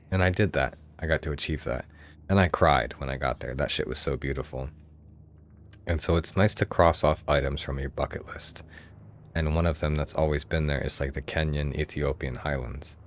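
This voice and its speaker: A man's voice: extremely low pitch, slight background noise. A man from the United States chatting casually with viewers as he streams a game, swearing freely. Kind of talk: casual gameplay commentary.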